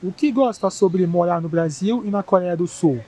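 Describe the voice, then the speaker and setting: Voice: mid-range voice, normal speed, dark tone. Plain, direct interviewer asking questions.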